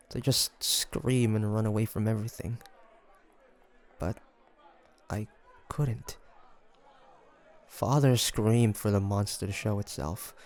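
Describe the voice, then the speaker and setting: A man's voice: fairly low pitch, a little mellow. A man playing a young demon hunter in an audio roleplay, flustered and haunted, speaking in hesitant, stammering phrases. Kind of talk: scripted audio roleplay monologue.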